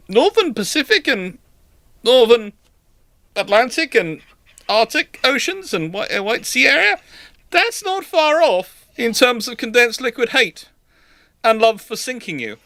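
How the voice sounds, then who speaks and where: A man's voice: very high-pitched, pushed and bright, dry recording. A man hosting an informal live history Q&A, hesitant and repeating words as he thinks, with dry, wry humour. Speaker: host answering audience questions.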